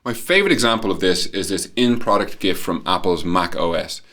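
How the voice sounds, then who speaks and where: A man presenting a prepared talk as a conference speaker, explaining points clearly with emphasis and rhetorical questions. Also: low voice, a little fast, bright, forceful tone. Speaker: conference speaker, company employee.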